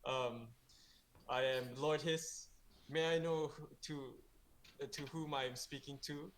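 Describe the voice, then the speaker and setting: A man voicing a pompous black male cat lord with a snake's tail, giving halting, mock-formal courtly greetings. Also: on the high side, fairly even intonation, fairly bright tone.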